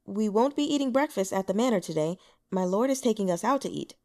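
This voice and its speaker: A woman's voice: medium pitch, lively intonation, quick pace, darkish tone, close to an everyday voice. A woman voicing an earnest young male subordinate in a storybook reading, speaking politely and eagerly.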